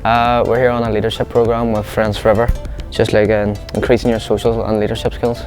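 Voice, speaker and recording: A young man from Belfast with a Belfast accent, answering interview questions in a quick, flat way. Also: fairly low pitch, soft background music. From Northern Ireland. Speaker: visiting student interviewee.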